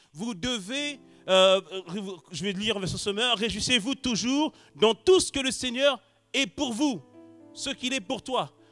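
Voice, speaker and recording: A man speaks very slowly in a raised, projected voice at a high pitch. The sound is dry and close with no echo, and music plays in the background. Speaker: pastor. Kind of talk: sermon.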